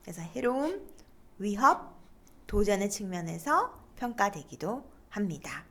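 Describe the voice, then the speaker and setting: Lively woman lecturer prompting her class. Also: mid-range voice, a little slow. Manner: lively, prompts students to read aloud. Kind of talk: online lecture on stress coping.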